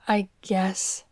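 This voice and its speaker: Brief: female actor as a guarded, slow-spoken werewolf woman. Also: darkish tone, no room sound. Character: grieving female werewolf, wary and defensive. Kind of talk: fan audio drama acting.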